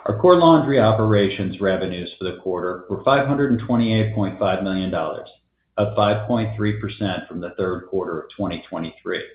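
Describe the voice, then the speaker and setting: A man with a fairly low voice delivers a scripted corporate earnings report. He reads prepared figures in a formal, businesslike way as a finance executive. The recording is echoey and slightly dull, like conference call audio. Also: moderate pace.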